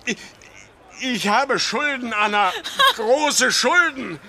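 A man's voice: very high-pitched, animated, slow, bright, forceful tone, heavily acted. A man playing a cowardly male police officer who stammers and pleads after betraying his partner. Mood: pleading.

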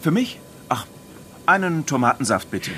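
An actor playing an obliging, chatty German stranger in a radio drama. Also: male voice, medium pitch, big pitch swings, moderate pace, a bit bright, a little hiss or hum.

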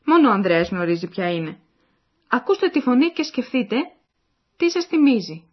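A woman's voice: fairly high pitch, big pitch swings, slightly rough. A woman reading the scripted narration of a language course, explaining and addressing the listeners. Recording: dull lo-fi recording.

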